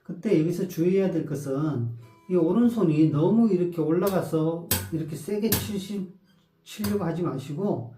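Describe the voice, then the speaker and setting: A man's voice: a little high, moderate pace, warm tone, echoey room. A man teaching a guitar lesson, patiently explaining step by step and counting the beats aloud.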